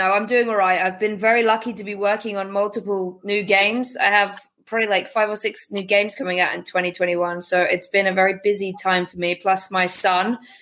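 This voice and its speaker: Fairly even intonation marks this speaker's a plain, everyday voice. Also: woman. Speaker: voice and motion capture actress. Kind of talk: moderated panel interview. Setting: video call.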